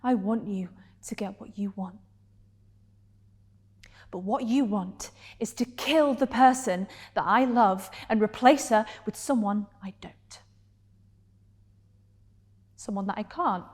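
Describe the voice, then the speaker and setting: A woman performing a dramatic stage monologue as a hurt, defiant gay woman confronting her partner, deliberately and with heavy pauses. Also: mid-range voice, darkish tone. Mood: pained, pleading.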